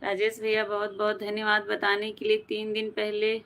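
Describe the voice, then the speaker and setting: A woman's voice: mid-range voice, monotone, moderate pace, fairly bright tone, a little hiss or hum. A woman from Uttar Pradesh hosting a live stream, chatting casually, greeting viewers by name and answering their comments. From Uttar Pradesh, India.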